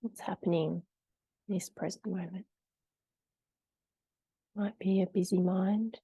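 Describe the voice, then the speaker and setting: A woman guides a meditation in a very warm, relaxed voice. Her tone is husky with a creaky edge. She speaks gently and soothingly, leaving long pauses between phrases. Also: fairly low pitch, no echo.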